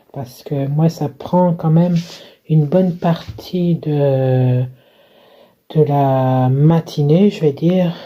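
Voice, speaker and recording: Soft-spoken, a woman with a very deep, low pitch talks very slowly with ordinary pitch variation and long, frequent pauses. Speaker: childminder vlogger. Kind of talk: casual vlog. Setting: at home, laundry room. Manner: hesitant.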